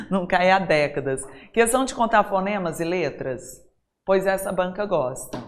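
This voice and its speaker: A woman's voice: mid-range voice, very animated, measured pace. A middle-aged Brazilian woman teaching an exam-prep language lesson, chatty, talking straight to her students and checking in with them often. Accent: Brazilian Portuguese. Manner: chatty, addresses students directly with frequent tag questions.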